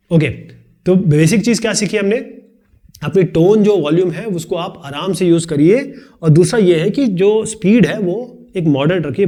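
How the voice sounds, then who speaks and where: A man teaching a video lesson, explaining quickly and chattily with joking asides. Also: fairly high pitch, warm tone. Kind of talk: fast classroom video lesson.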